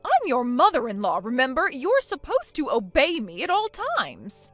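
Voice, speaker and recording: A woman voicing a bossy middle-aged mother-in-law who scolds and makes demands loudly, with faint music behind. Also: fairly high pitch, very animated, normal speed. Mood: scolding. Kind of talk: dramatized story acting.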